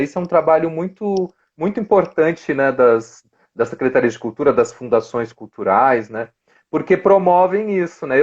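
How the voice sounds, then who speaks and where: Man, interview host, encouraging, slightly high voice, dull lo-fi sound. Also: a little mellow. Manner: encouraging, with frequent short affirmations. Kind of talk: casual interview on a live stream. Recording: dull lo-fi live stream audio.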